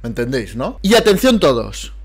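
A young man, a native Catalan speaker, presenting book recommendations to camera in an expressive, emphatic and playful way. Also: medium pitch, brisk, husky. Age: young adult. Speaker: book vlogger. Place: small indoor room lined with bookshelves.

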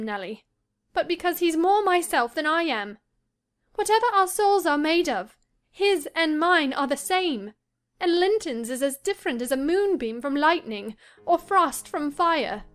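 A woman playing a willful, troubled young gentlewoman in a dramatized audiobook, earnest and dramatic. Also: high voice, pitched above the performer's own voice. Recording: music under the voice.

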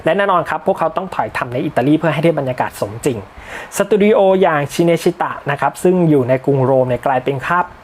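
A man narrating a history lesson in a relaxed, polite way, with the odd filler and slip. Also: on the high side. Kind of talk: informal history lecture.

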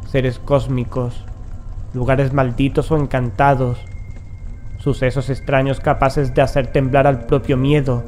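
An actor playing a grave, determined investigator in a horror audio drama, speaking solemnly. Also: male voice, mid-range voice, level tone, a little slow, darkish tone, soft background music, close to an everyday voice. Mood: solemn, haunted. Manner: solemn, foreboding.

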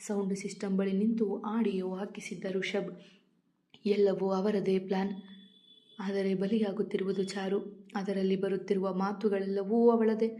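Storyteller, woman, Kannada accent: scripted drama narration, mellow, even pitch.

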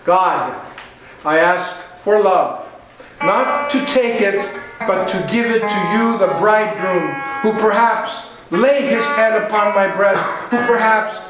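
A middle-aged man reading his own poetry dramatically, in a deliberate, incantatory manner with stuttered repetitions. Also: high voice. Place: small indoor art gallery before an audience. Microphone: distant camera. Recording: echoey gallery room, guitar behind. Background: electric guitar with effects.

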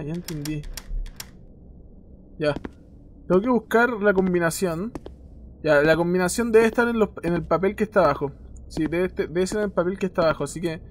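Jumpy, high-pitched young Chilean gamer. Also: male voice, a little hiss or hum. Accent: Chilean Spanish. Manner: swearing often and yelping in fright. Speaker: gaming youtuber. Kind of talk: horror game let's play commentary.

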